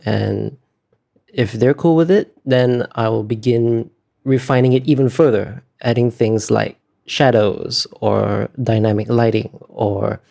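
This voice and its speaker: This is a man being interviewed, explaining things casually. His voice is on the low side and mellow, with a strong vocal fry. He speaks haltingly, often pausing to find the next phrase. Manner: hesitant, halting, with frequent pauses and fillers. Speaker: interview guest, visual artist.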